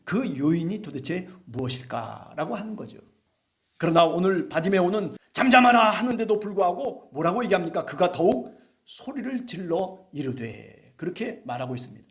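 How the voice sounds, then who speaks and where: A male pastor delivering an impassioned sermon at a church service, urging his listeners and rising at times to shouts. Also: high-pitched, animated, moderate pace.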